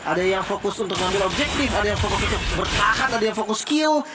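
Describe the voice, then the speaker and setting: A man's voice: sits high, animated, quick pace, over loud music. A man giving casual, analytical commentary as an esports co-caster.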